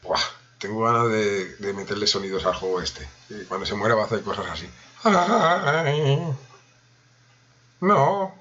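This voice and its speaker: A man's voice: deep voice, steady tone, fast, bright, forceful tone, breathy edge, muffled recording. A man with a Spain Spanish accent giving a joking running commentary to himself during a casual live coding stream.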